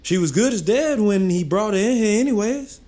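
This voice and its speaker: A young actor playing an enslaved teenage apprentice, earnest and worried, speaking with a Southern American accent. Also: male voice, high-pitched, moderate pace. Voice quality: lively, anxious, Southern vernacular. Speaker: actor in audio drama.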